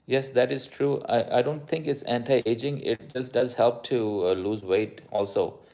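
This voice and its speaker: On a live stream, a doctor with a South Asian accent answers viewer questions casually, switching between Urdu-Hindi and English mid-sentence. His voice is medium-pitched and mellow, with fairly even intonation and a somewhat slow pace, captured in a rough recording.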